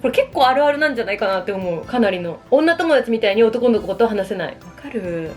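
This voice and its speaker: Animated, fast-talking woman chatting over a meal. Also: a little high, faint music behind. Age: 30s. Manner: self-deprecating, giggly, acts out imagined remarks. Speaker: solo vlogger. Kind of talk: casual confessional chat, reacting to relatable dating woes.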